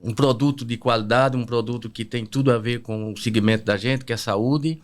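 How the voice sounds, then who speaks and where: A man's voice: mid-range voice, steady tone, normal speed. A man as a podcast guest, speaking hesitantly and restarting his phrases as he presents a business. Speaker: podcast guest, store representative. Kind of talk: casual podcast chat.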